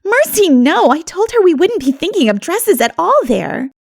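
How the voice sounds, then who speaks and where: A woman voicing a lively, gossipy country girl who tells local tales in an audiobook. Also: extremely high pitch, moderate pace, vocal fry, pitched above the performer's own voice, heavily acted. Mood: amused. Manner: animated, gossipy.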